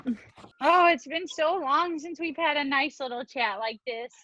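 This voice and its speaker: A woman's voice: sits high, moderate pace, sharp tone, dry recording, lo-fi sound. A woman playing a chatty, politely cheerful Midwestern mom with a Minnesotan accent in a comedy sketch reading. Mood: folksy, cheerful.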